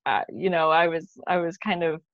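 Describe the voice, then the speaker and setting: A young woman with a somewhat low voice explains things casually and candidly. The sound is dry and a little lo-fi, as picked up by a computer on a video call. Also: fairly even intonation, moderate pace, dry recording. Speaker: playwright, guest. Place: living room at home. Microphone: computer mic on a video call.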